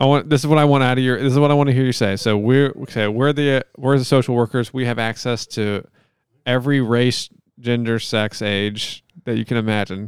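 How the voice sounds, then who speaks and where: An ordinary speaking voice from a man, medium in pitch with fairly even intonation and a fairly quick pace, on a very clean recording with a silent background. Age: 30s. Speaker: podcast host and barber. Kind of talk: casual comedic chat.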